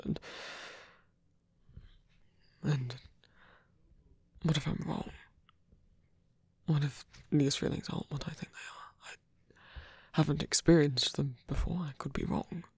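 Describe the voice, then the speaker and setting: A man playing a guarded, lovestruck villain in an ASMR roleplay, halting and tender, with a breathy voice that often drops to a whisper. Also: on the high side, darkish tone, no room sound, studio quality, exaggerated voice. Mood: hesitant, vulnerable. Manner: halting, hesitant delivery with pauses. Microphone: close dry microphone.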